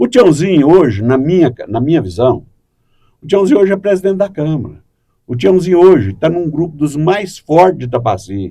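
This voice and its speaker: A man's fairly high voice with very wide pitch swings, a dark, mellow tone and a moderate pace. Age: 70s. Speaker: former city councillor and rancher. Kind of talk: interview.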